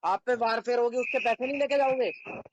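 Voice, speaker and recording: A man's voice: extremely high pitch, a little fast, no echo, lo-fi sound. A man haggling informally on a call as a customer, impatient and pleading, often cutting in. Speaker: customer booking a show.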